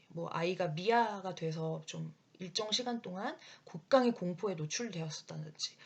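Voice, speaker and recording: Woman in her thirties, breathy voice, very animated pitch, explanatory lecture. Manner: lively, breaks into quick acted quotes of parents and children. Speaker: early childhood education instructor.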